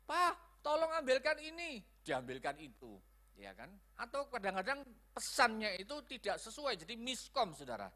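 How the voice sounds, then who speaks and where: A man's voice: high-pitched, bright, forceful tone. A man preaching a sermon as pastor, acting out quoted lines in changed voices. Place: church hall.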